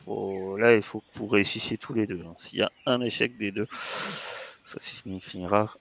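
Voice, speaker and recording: A man's voice: on the low side, fairly even intonation, moderate pace, gravelly, fairly bright tone. A man narrating as game master, hesitant and full of fillers. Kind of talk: narrating a tabletop role-playing game.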